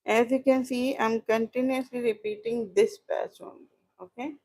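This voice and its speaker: A woman with a South Asian accent giving a casual crochet tutorial, explaining in a halting way and repeating herself as she chats to viewers. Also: a little high, fairly even intonation, mellow. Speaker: crochet instructor and live streamer.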